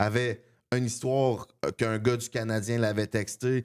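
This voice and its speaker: Using a normal speaking voice, a man talks at a fairly slow pace and medium pitch with ordinary pitch variation, dry and close with no echo on a very clean recording with a silent background. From Quebec City. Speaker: podcast host, guest. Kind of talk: casual chat.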